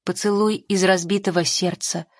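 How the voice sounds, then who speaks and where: A woman narrating an audiobook with an even, measured reading. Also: fairly low pitch, no room sound, clean studio sound. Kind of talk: scripted narration of a novel.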